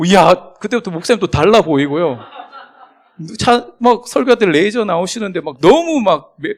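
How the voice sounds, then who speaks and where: Gravelly, chatty man preaching. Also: on the high side. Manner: chatty and humorous, with dramatic swings in loudness; acts out remembered dialogue. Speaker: guest preacher. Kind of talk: sermon.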